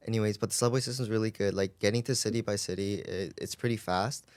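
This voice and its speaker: A man chatting casually on a podcast, relaxed, with many likes and ums. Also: lowish voice, quick pace, smooth, no echo.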